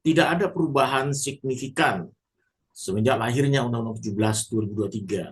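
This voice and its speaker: Male lecturer, mid-pitched, explains at length to a seated audience with frequent checking fillers. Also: brisk. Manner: addresses audience formally. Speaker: legal lecturer. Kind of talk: spoken lecture.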